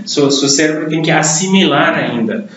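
A man's voice: on the high side, moderate pace, noisy background. A man with a Brazilian Portuguese accent, an English teacher guiding a student with encouraging questions. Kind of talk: classroom conversation. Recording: echoey dull room recording.

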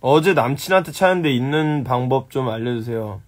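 A man's voice: mid-range voice, expressive, brisk. A young man hosting a casual live stream, answering viewer questions bluntly, teasing and swearing at them. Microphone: phone.

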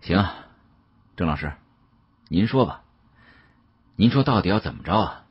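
Male narrator as guarded shopkeeper in an audiobook: wry, colloquial, low and very husky. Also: lively intonation, moderate pace, muffled recording, full character voice. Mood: wary. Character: guarded, plain-spoken male antiques shopkeeper.

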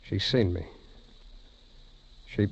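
An actor playing a doctor's haunted, hesitant associate in a 1940s radio drama. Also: male voice, very slow. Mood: tense, halting. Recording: muffled vintage 1940s radio recording.

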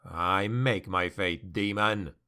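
A man's voice: sits low, slow pace, sharp tone, smooth, pitched below the performer's own voice, exaggerated voice. A man voicing a grim, ambitious male noble warrior who speaks in a cold, defiant growl.

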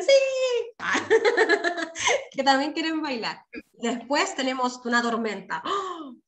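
This woman's voice sits high and has a fairly bright tone. She's a primary school teacher with a Chilean accent, patiently and affectionately teaching young children in an online class over video.

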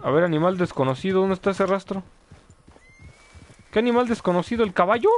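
A man's voice: sits high, expressive, a little fast. A man commenting live on his gameplay, chatting with viewers and yelping at mishaps. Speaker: gaming streamer.

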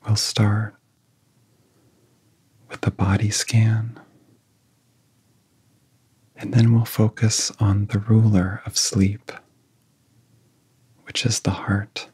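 A man speaks in a soft, very breathy voice that often slips into a whisper. His pitch is on the low side and barely moves. He guides relaxation in a gentle ASMR style, close and dry on the microphone, leaving long pauses between soothing phrases. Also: little pitch movement, no echo.

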